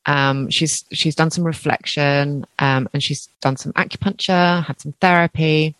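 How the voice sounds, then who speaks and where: A woman's voice: deep voice, fairly even intonation, measured pace, a bit bright, clean tone, no echo. A woman co-hosting a podcast in casual chat, reading out a listener email and laughing often. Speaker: podcast co-host.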